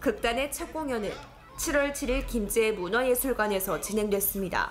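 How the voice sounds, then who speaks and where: A woman with a high-pitched voice and lively intonation talks at a moderate pace over music in the background. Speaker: TV news reporter. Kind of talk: TV news reporter voice-over.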